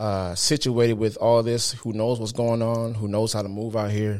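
A man with an American accent and a normal speaking voice, medium in pitch and moderate in pace, on a very clean recording with a silent background. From Bay Area, California (Hayward/Oakland). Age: 20s. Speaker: fitness trainer and business owner. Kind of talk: casual interview.

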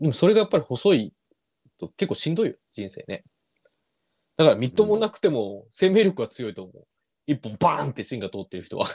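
A man's vocal fry at a fairly quick pace, with very wide pitch swings, big swings in loudness and long, frequent pauses, in a dry, close sound with no echo. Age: 30s. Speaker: podcast co-host, office worker. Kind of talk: casual chat.

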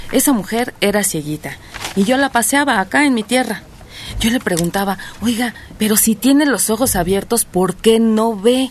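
A woman's fairly high voice with ordinary pitch variation and noticeable background noise. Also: moderate pace. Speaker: radio co-host. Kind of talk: casual chat.

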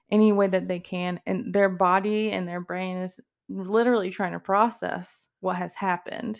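In a very clean recording with a silent background, a woman speaks fairly slowly at medium pitch with fairly even intonation. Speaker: podcast co-host. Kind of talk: casual chat about heavy personal topic. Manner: muted, flat delivery when telling trauma.

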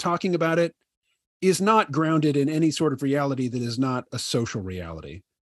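A man with an unremarkable speaking voice and lively intonation at a moderate pace, dry and close with no echo over a quiet background. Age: 50s. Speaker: podcast host and cartoonist. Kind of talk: casual chat.

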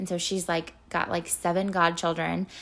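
Someone speaks at a moderate pace in a normal speaking voice. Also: woman. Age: 20s. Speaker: book podcaster. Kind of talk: casual solo monologue. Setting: recording alone at home. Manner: casual with many fillers.

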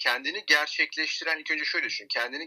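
A man's voice comes across with a dry, close sound and no echo. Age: 40s. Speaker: doctor and dating coach. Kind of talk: casual chat. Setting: online audio room.

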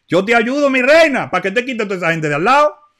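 A man speaks at a fairly quick pace in a Dominican accent. His pitch swings very widely. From Dominican Republic, Santo Domingo. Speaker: political commentator. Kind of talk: live stream monologue. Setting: live stream. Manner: animated.

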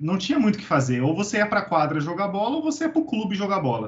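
A man's voice comes across somewhat breathy. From interior of São Paulo state, Brazil (Pirassununga). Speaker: illustrator. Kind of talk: casual interview.

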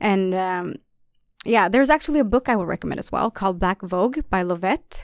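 With a normal speaking voice, a woman of medium pitch talks at a fairly quick pace in a very clean recording with a silent background and a dry, close sound with no echo. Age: 20s. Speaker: makeup artist and dancer. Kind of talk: casual chat. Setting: studio.

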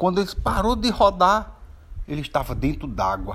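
A man's speech at a moderate pace, with lively intonation. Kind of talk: bedtime story telling to children. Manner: warm, animated storyteller who plays out characters' voices and asides.

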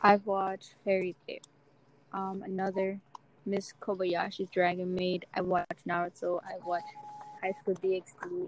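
A woman speaks in a flat, monotone voice over noticeable background noise. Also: medium pitch for a woman, fairly slow pace. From Dominican Republic. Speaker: Twitch streamer. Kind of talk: casual chat.

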